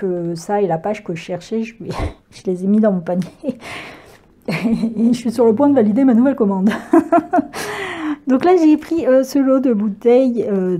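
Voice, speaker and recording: A woman talks through her craft purchases in a loose, chatty way, pausing on fillers and correcting herself as she goes. Her voice is mellow and warm rather than bright, and her pitch sits in a middle range. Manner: chatty, hesitant, many fillers and self-corrections, laughs easily. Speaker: craft vlogger. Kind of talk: casual unboxing chat.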